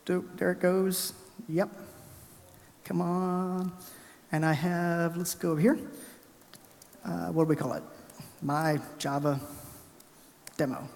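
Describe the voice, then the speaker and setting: A man from the American South giving a fast, energetic tech conference talk and narrating a live coding demo. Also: on the high side. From Alabama, US South. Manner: fast, energetic, chatty presenter narrating his screen. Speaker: conference speaker. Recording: hall reverb from a conference room.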